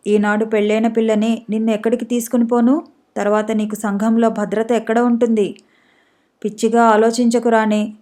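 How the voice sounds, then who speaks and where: Sad resigned young guy who drinks, read by a lady, soft mellow voice, flat delivery. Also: fairly high pitch, lightly acted.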